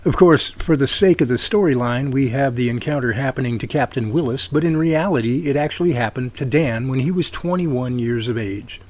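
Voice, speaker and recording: A man's voice: mid-range voice, a little fast, hardly any pauses, a little mellow. A man hosting an audio drama series, delivering a scripted episode introduction to listeners.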